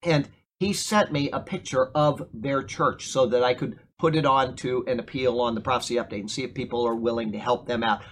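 A man's voice: mid-range voice, fairly even intonation, brisk, slight background noise. Chatty pastor in his fifties. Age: 50s. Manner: conversational, keeps asking "okay?". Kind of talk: sermon.

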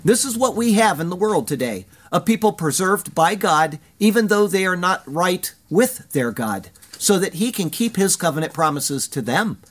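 A man preaching a verse-by-verse Bible sermon, reading scripture quotes with measured emphasis. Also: high-pitched, expressive, a bit bright.

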